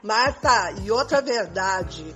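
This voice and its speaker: A woman's voice: medium pitch, lively intonation, slow pace, pushed and bright, faint music behind. An older Brazilian woman playing a sassy, scornful lady in an amateur radio soap.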